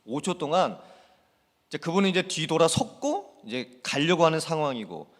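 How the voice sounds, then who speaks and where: A man preaches a sermon as senior pastor, his pitch swinging in lively arcs as he talks earnestly, then drops suddenly soft. His voice rings with the long reverb of a church sanctuary. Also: moderate pace.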